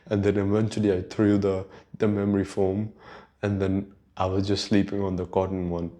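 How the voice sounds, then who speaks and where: A man with an Urdu-influenced South Asian accent chatting casually as a solo podcast host, rambling in a halting, sweary way. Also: low voice, little pitch movement, dark tone.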